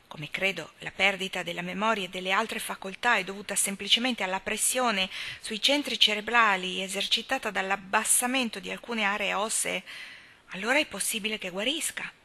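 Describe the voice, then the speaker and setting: A woman reading aloud, voicing a calm, firm young male doctor who reasons patiently. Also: medium pitch. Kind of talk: audiobook character reading.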